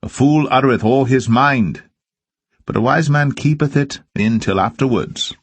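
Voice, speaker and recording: A man giving a solemn, measured reading of old-fashioned Bible verse as a scripture reader. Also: medium pitch, breathy edge, dry recording. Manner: measured, deliberate phrasing.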